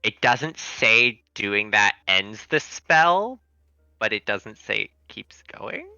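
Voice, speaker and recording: Male tabletop player, low and very forceful voice, casual chat, dry lo-fi recording. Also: sing-song, slow pace, smooth, no room sound, faint music behind.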